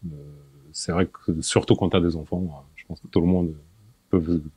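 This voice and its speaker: A man in his forties, a podcast guest, talking in a relaxed, hesitant way, often repeating words and laughing. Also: deep voice, normal speed, slightly rough, no echo. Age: 40s. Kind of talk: casual interview.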